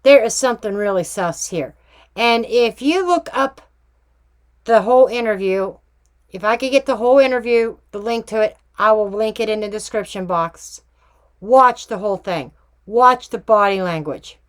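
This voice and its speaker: A woman's voice: medium pitch, animated, moderate pace. A woman hosting a casual true crime tarot reading vlog, chatty and emphatic with slangy asides. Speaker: tarot reader and true crime channel host.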